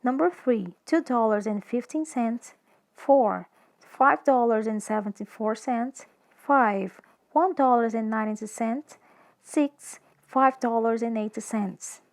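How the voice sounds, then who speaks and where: A woman with a Brazilian Portuguese accent, an English teacher giving a recorded lesson, speaking slowly and clearly as she moves between English and Portuguese. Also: on the high side.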